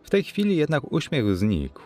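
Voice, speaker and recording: A man narrating a classic novel as an audiobook, in a measured, expressive reading. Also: on the high side, soft background music.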